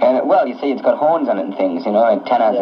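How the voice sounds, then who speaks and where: A man talks with a Geordie accent. Noticeable background noise runs underneath. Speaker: rock singer. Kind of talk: radio interview answer. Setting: radio studio, off-air tape recording.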